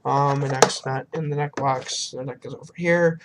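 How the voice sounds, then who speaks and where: A young man, hoarse from a sinus infection, talks through a card game deck at his desk. He rambles in a loose, self-deprecating way, full of ums and restarts, and stops now and then to cough. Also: mid-range voice, steady tone, normal speed. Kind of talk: casual deck walkthrough. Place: at a desk at home, indoors.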